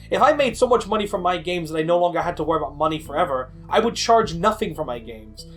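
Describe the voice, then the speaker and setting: A man telling a personal story as a game developer in an informal, candid voice-over. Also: sits high. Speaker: indie game developer and video creator.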